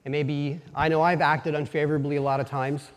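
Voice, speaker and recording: In a church sanctuary whose long reverb lingers after each phrase, a Pennsylvania lay preacher with a faint Pennsylvania Dutch accent gives an easygoing sermon built on personal stories. He pokes fun at himself, keeps stopping to restart his sentences, and speaks in a voice slightly high for a man.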